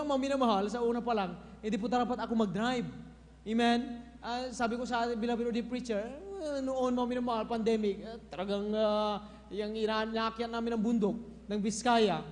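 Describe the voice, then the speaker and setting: A man's voice: extremely high pitch, darkish tone. A man giving a church testimony to a congregation, telling his story and often addressing them as beloved. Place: church hall. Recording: echoey hall with faint noise.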